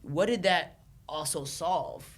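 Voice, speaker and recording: A woman from Los Angeles, a podcast guest chatting casually, animated, laughing often and restarting her sentences. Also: low voice, takes it slowly. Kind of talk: casual chat.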